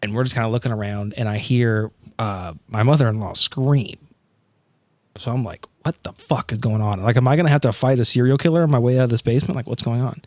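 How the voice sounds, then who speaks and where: A man's voice: medium pitch, fast talker, darkish tone, dry recording. A man telling stories in casual, swear-sprinkled chat as a player on a tabletop game podcast.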